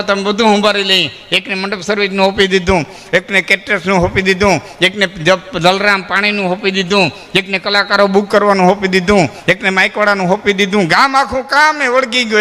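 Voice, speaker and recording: A man's voice: high-pitched, sharp tone. A man telling humorous folk stories live to an audience, speaking straight to his listeners as friends. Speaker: folk storyteller. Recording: long hall reverb with faint music.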